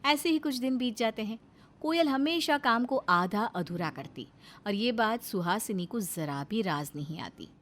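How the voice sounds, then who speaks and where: Woman telling a cartoon kahani, expressive, voice goes up and down a lot. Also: on the high side, unhurried, slight background noise. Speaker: narrator. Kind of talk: scripted storytelling narration.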